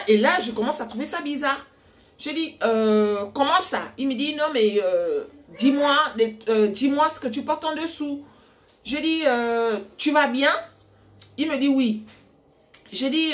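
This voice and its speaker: A young adult woman, a cooking vlogger, casually retells a story from her home kitchen, filling it with quoted dialogue. Her high-pitched voice is animated yet unhurried.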